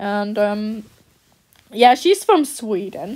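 On a very clean recording, a woman speaks against a silent background. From Denmark. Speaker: artist and role player. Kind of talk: casual talk to camera. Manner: hesitant, stuttering.

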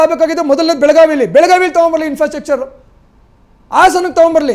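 With fairly even intonation, a man talks at an extremely high pitch. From India, Bengaluru. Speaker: journalist and social activist. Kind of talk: TV studio interview. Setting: TV studio.

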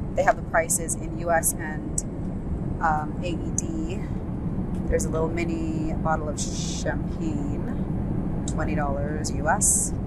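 A woman is heard over loud background noise in a dry sound with no echo. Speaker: travel vlogger. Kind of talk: casual vlog chat. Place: plane. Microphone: phone near.

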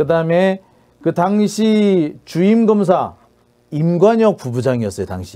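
The speaker talks at a very slow pace with lively intonation. The background is quiet. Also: man, high pitch for a man. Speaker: legal affairs reporter. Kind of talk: casual political interview. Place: studio. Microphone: lapel.

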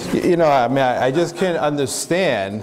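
Light background noise accompanies a man who speaks at a moderate pace. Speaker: pastor. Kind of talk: sermon. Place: church.

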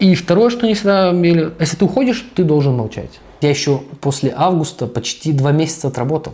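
A man talks fairly quickly with hardly any pauses. His tone is dark and mellow, and his intonation is lively. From Belarus. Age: 30s. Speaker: former judge, exile. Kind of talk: interview. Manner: halting, hesitant. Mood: calm, reflective recounting. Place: kitchen. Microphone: lapel.

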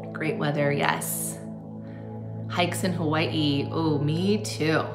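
A woman talks while clear music sounds behind her. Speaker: yoga instructor. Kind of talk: live class chat with viewers. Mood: warm, upbeat. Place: home room. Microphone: phone near.

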